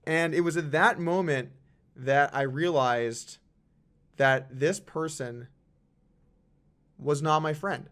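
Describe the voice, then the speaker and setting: A young man, a poker vlogger, telling a personal story to camera in an earnest, halting way with frequent restarts. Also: a little high, steady tone, fairly bright tone.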